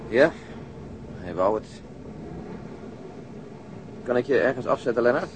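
An actor playing a sober, reflective policeman in a radio drama, measured and fatalistic in his delivery. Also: medium pitch, animated, noisy background, close to an everyday voice. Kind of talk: naturalistic radio drama acting.

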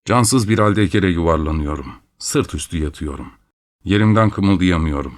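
A man reading a first-person story aloud as narrator, in a steady, measured way. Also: sits low.

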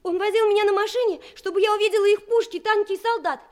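A woman's voice: extremely high pitch, steady tone, fast. A woman playing a brave, earnest young daughter of a Soviet commander in a radio drama, speaking simply like a child. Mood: subdued, grave.

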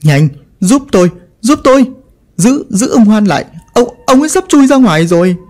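A man voicing a stern older man who urgently shouts orders in a horror story. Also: high-pitched, big pitch swings, moderate pace, voice pushed up. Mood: urgent commanding.

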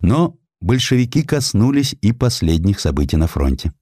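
A male audiobook narrator reads history with theatrical emphasis. His voice is very low and moves widely in pitch. The sound is dry and close, suited to dramatic scripted storytelling. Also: big pitch swings, moderate pace, warm tone, no room sound.

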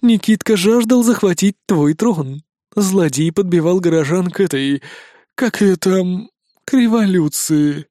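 Guy putting on a sneaky wheedling one-eyed cat, a bit high, dry sound. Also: lively intonation, unhurried, dark tone, no echo. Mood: sly. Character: sly one-eyed male cat informer, cowardly.

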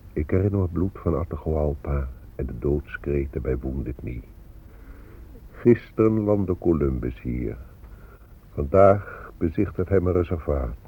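Age-old native american ghost, mournful radio drama monologue, really slow and husky, thin phone-like sound. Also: male voice, extremely low pitch, heavily acted. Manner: solemn, measured, poetic. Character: ancient Native American man, solemn, mournful spirit of the dead.

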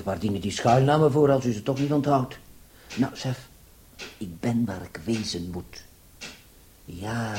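A man's voice: fairly low pitch, darkish tone. An actor playing a bumbling, grumbling male burglar in a radio play, stammering and muttering. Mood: furtive, muttering. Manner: stammering, muttering, easily sidetracked. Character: bumbling, excitable, grumbling male burglar reporting to his boss. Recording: noisy old radio play recording.

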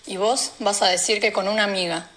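A woman's voice: mid-range voice, steady tone, brisk, fairly bright tone, natural voice. Woman reading as a blunt streetwise young trans woman. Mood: blunt, fatalistic. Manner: blunt, fatalistic.

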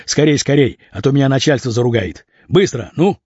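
A man's voice: medium pitch, lively intonation, brisk, darkish tone, breathy edge, no room sound. A man voicing a lazy, mercenary driver who grumbles and drawls, in a storybook reading. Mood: grumbling. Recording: dull lo-fi dry recording.

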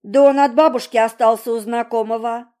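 A woman's voice: on the high side, steady tone, a little fast, warm tone, natural voice. A woman voicing a poor, guilty father who rambles and makes excuses. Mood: pleading. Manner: rambling, pleading, excuse-making.

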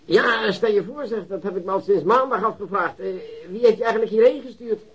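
An actor playing an excitable, self-satisfied police chief in a Dutch radio drama, pompous and commanding. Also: male voice, sits high, a little fast, lightly acted. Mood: brusque. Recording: muffled radio drama recording.

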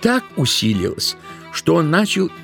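Скрипучий мужской голос рассказчика. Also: male voice, on the high side, wildly swooping pitch, a little slow, vocal fry, fairly bright tone, soft background music. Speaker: narrator. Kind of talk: dramatic literary storytelling.

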